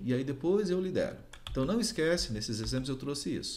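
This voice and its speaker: A man with vocal fry and very wide pitch swings, at a fairly quick pace, with audible room echo. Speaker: sales trainer and coach. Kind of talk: training review lecture. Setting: seated recording to camera. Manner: fast.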